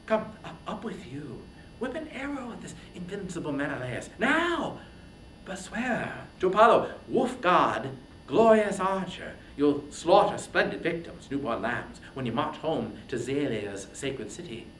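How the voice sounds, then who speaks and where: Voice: medium pitch, sing-song, measured pace, a bit bright, echoey room, slight background noise, poor audio. Performer playing a cunning, tempting warrior goddess. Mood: tempting, urging. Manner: tempting, urgent, dramatic. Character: Athena, cunning seductive warrior goddess disguised as spearman.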